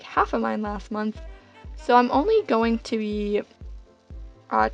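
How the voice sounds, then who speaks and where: A young woman with a hoarse, sickly voice narrating a casual journal setup, rambling and self-deprecating with lots of fillers. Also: mid-range voice, low-quality recording. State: hoarse, getting over being sick. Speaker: bullet journal vlogger.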